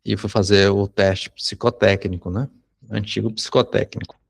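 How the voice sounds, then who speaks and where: Brazilian man, psychology teacher, conversational storytelling, frequent tag questions, fairly deep, gravelly fry. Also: steady tone, normal speed. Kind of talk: anecdote told in a recorded lesson.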